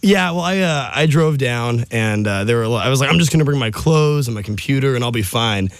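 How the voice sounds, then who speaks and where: A man's voice: mid-range voice, lively intonation, brisk, no room sound. Young man in his twenties, comedian, self-deprecating, laughs a lot, dry close sound. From United States. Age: 20s. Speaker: comedian guest. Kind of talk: casual chat. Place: radio studio.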